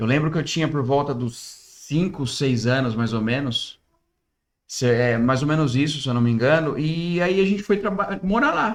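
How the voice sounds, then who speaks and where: Here a man has an ordinary speaking voice with a fairly high pitch. He speaks at a moderate pace. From interior of São Paulo state, Brazil. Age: 30s. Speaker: church elder and youth leader. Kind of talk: podcast interview.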